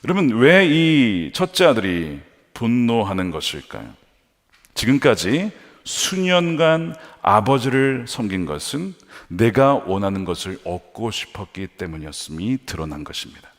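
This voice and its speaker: Male pastor, sermon, lively swooping delivery, rhetorical questions, long church reverb. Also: lowish voice, measured pace. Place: church sanctuary.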